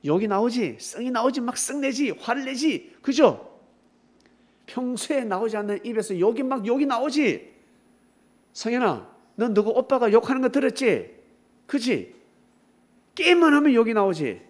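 A man's voice: very high-pitched, very animated, moderate pace, long pauses. A man preaching to teenagers, retelling a Bible story playfully, calling on kids by name and teasing them with questions. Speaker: youth pastor.

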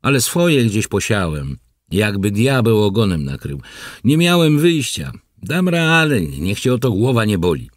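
A gruff, bossy countryman, as an audiobook reader puts him on, barking short orders and threats in a low, husky voice. His pitch swings in lively jumps, and the sound is dry and close. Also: measured pace, dry recording. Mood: reassuring. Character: gruff bossy rural man, commanding. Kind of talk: audiobook character voice.

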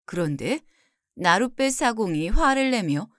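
A woman narrating a folktale gently as a storyteller, in scripted narration. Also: a little high, lively intonation, dry recording, clean studio sound. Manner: gentle and slow-paced.

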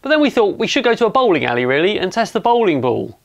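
A man's voice: high-pitched, big pitch swings, fast, gravelly. A man in his thirties with an English accent, narrating his maker project in a matter-of-fact, technical way on a lapel mic. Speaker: maker vlogger. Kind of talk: explanatory voice-over narration. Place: home robotics workshop in an attic. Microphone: clip-on lapel mic.

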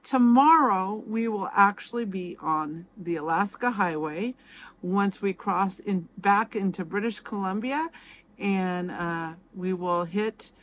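Slow-talking woman vlogging from her RV. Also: medium pitch. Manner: chatty, easygoing, talks to her dogs. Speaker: travel vlogger. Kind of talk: casual travel vlog. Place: outdoors in a parking lot, then inside an RV. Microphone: phone at arm's length. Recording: background music under the voice.

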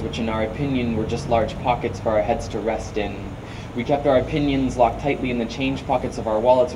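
A teenage boy performing rhythmic, wordplay-heavy spoken word poetry at a podium during a large outdoor rally. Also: medium pitch. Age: teens. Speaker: student performer. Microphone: podium mic, picked up from a distance. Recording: distant mic, noisy outdoor sound.

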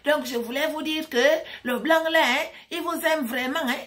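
A woman voicing a male scammer who poses as a police chief, talking in an insistent, wheedling, drawn-out way. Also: high-pitched, fairly bright tone, pitched above the performer's own voice. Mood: pleading.

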